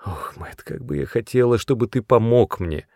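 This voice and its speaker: Male narrator does a sobbing young girl, high-pitched, pleading; dry audiobook read. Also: lively intonation, moderate pace, warm tone, dry recording, lightly acted. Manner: pleading, high and shrill when upset. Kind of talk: audiobook character voice.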